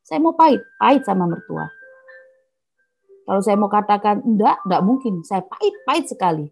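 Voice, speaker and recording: A middle-aged woman with a gravelly, fry-edged voice shares a heartfelt personal testimony at a prayer meeting, speaking directly to her listeners. Her pitch sits in an ordinary middle range, and soft music plays faintly behind her. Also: expressive, moderate pace. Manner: earnest, addresses listeners directly as brethren.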